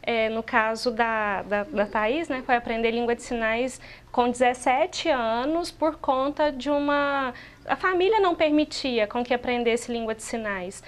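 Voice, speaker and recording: A woman's voice: a little high, a little slow, clean tone. A woman in her forties, a sign language interpreter, speaking steadily and explaining on a TV talk show, recorded in a studio on a lapel mic. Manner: steady, explanatory, with frequent restarts. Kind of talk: TV talk show guest, voicing a deaf guest's answers.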